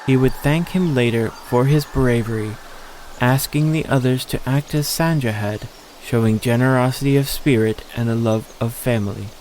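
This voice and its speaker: A man's voice: mid-range voice, normal speed, darkish tone, slight background noise, low-quality recording. A man narrating a scripted story in an audio drama.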